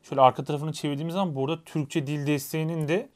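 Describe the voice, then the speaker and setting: Fast-talking man unboxing gadgets. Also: on the high side. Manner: quick, animated, explaining features. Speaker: tech unboxing co-host. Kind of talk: casual unboxing chat.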